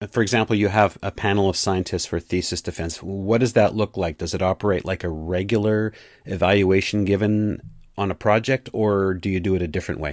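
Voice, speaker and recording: This man has an ordinary speaking voice, fairly low in pitch with fairly even intonation, moving at a fairly quick pace in a dry, close recording with no echo. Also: very clean recording, silent background. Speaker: podcast host. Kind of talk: casual interview.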